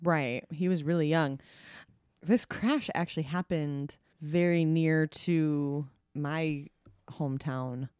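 Husky low-voiced woman from minnesota, co-hosting, rambles with fillers, a bit scratchy today. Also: takes it slowly, darkish tone, no echo, studio quality. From Minnesota, United States. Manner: rambling, explains with many fillers. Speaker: podcast co-host. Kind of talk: casual chat.

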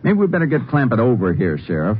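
An actor playing a calm, methodical Texas Ranger who narrates and questions plainly in a 1950s radio western. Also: male voice, mid-range voice, fast talker, slightly rough. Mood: businesslike questioning. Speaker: lead actor and first-person narrator of a radio drama. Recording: dull, narrow-band 1950s radio recording with music.

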